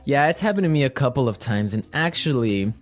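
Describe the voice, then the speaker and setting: A man's voice: mid-range voice, expressive, brisk, faint music behind. A man with a standard American accent co-hosting a language lesson podcast in a casual, conversational way.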